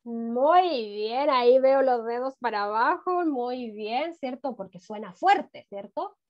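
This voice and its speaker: A woman's voice: on the high side, expressive. A woman teaching a first-grade reading class over a video call, praising often and drawing words out. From Chile. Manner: warm encouraging praise, drawn-out words, frequent "muy bien". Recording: dull lo-fi video call audio.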